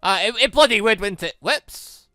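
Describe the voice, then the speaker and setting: An excitable let's play host, commentating on a game and exclaiming while reading along. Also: mid-range voice, moderate pace, dry recording. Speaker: gaming video host reading a visual novel aloud. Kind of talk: let's play commentary with read-aloud character dialogue. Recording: close dry mic over game music. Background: game music.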